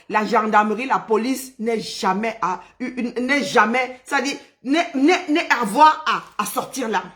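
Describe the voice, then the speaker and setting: A man's voice: high-pitched, a bit bright. A man from Cameroon, ranting on a live stream, agitated and indignant, hammering his points home by repeating phrases. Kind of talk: angry live-stream rant.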